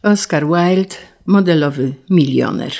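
Woman narrator, story reading, measured and wry, low voice, gravelly fry. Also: over loud music.

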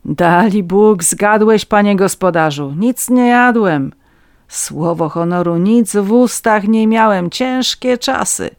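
A reader voicing a fawning, red-nosed petty scribe, a man who begs for vodka and wheedles his listeners in a high, eager voice. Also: slow pace, smooth, dry recording, clean studio sound. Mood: wheedling. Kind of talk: audiobook reading.

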